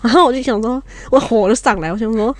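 A woman's voice: on the high side, fast talker, dry recording. A young woman with a Taiwanese Mandarin accent who co-hosts a podcast, telling family stories in a blunt, fiery way and laughing as she talks. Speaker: podcast co-host, younger sister. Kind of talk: casual storytelling chat.

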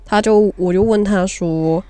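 A young woman with a Taiwanese Mandarin accent, a podcast co-host telling a frank dating story in casual, animated chat. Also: mid-range voice, a little slow, no echo.

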